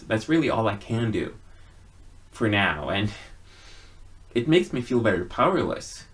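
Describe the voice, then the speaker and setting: A man giving a casual personal monologue to viewers in an earnest, halting way, with frequent pauses. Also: fairly low pitch. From Sweden. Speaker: video blogger.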